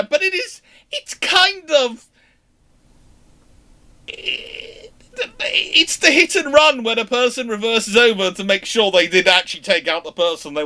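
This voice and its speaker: A man hosting a livestream, chatting casually as he answers listener questions in an animated storytelling way. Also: high-pitched. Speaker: host of a naval history livestream.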